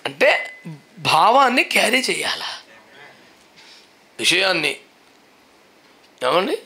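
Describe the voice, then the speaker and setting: Man, pastor, sermon; high, bright, lively delivery with English asides. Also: takes it slowly, creaky, breathy edge. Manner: animated preaching, mixing in English, shouting praises. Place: church service.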